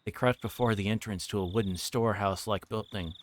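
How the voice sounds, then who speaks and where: Reading a visual novel on a livestream, this man narrates with character voices, tripping over a word now and then. He speaks fast in a low-leaning, steady-toned voice, against a clearly noisy background full of clicks.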